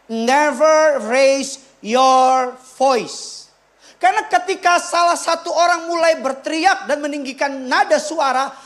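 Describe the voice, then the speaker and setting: A male pastor preaching a sermon in a church, repeating his points with emphasis and swinging between loud punches and quiet asides. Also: very high voice. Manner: emphatic, repeats key lines for the congregation.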